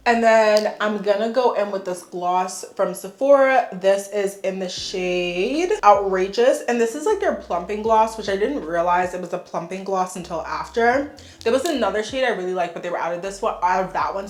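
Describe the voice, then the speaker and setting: A young woman talks in a frank, chatty way, her voice a little stuffy from congestion. She sits at a middle pitch in a room that gives her voice a noticeable echo. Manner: chatty, frank, laughs often. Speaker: beauty vlogger. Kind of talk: casual get-ready-with-me chat. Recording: echoey room.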